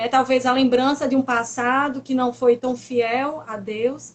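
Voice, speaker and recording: With a Pernambuco accent, a woman speaks in a high voice at a fairly slow pace and with fairly even intonation. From Pernambuco, Brazil. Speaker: speaker at a couples' ministry talk. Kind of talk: testimony. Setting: livestream.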